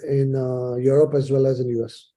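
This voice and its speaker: A man answering questions as a company executive on an earnings call, in halting, measured phrases. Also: medium pitch, flat delivery, warm tone.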